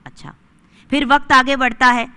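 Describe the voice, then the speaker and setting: A woman host speaks earnestly to her viewers in an easy, conversational way, pausing now and then to find her words. Her voice sits a little high and sounds bright and clear. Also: steady tone. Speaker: host of a religious broadcast. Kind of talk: personal storytelling to viewers.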